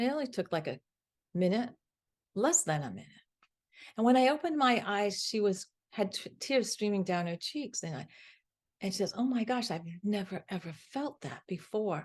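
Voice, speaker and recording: Somewhat breathy and at medium pitch, a woman speaks at a moderate pace with very wide pitch swings and long, frequent pauses. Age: 70s. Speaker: spiritual healer and teacher. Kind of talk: interview. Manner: animated.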